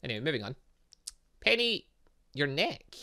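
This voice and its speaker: A man's voice: fairly high pitch, big pitch swings, moderate pace, pushed and bright. A man commentating a game he is playing, rambling and cutting himself off with chuckling asides. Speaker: gaming streamer. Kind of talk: let's-play commentary.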